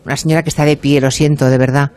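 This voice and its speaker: A woman's voice: low voice, flat delivery, very fast, darkish tone. A woman hosting a live radio show before an audience, chatty and joking with the crowd. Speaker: radio host.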